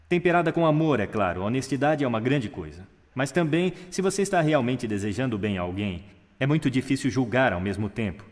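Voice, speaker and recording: A man giving a stage talk on voice technique, demonstrating shifts in pitch, pace and volume. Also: in a large hall. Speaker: speaker on public speaking. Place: large hall on a stage.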